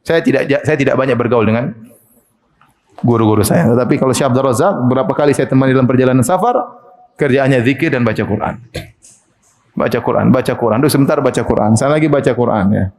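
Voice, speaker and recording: A man's voice: medium pitch, fast, a little mellow. A middle-aged Indonesian man preaching a sermon, telling stories with chuckles and reciting Arabic. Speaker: Islamic preacher.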